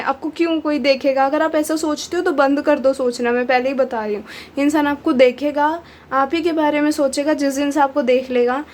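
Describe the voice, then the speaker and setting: A woman's voice: sits high, slight background noise. A woman giving a casual tarot reading, chatty and mixing Hindi with English, her voice a little off from being unwell. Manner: chatty, mixes Hindi and English, frequent fillers. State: unwell, voice slightly off. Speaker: tarot reader.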